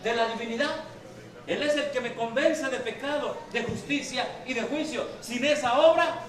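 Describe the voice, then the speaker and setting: A man's voice: very high-pitched, normal speed, a bit bright. A man preaching a sermon and reading from the Bible, quizzing the congregation with questions as he goes. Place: church hall. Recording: very echoey hall, from far off.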